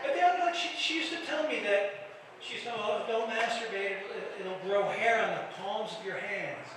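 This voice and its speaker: High-pitched and fairly quick, the Detroit-area comic, middle-aged or older, banters with the audience and stumbles through restarts in a self-deprecating set. He's heard from far off in an echoey club, amid crowd noise.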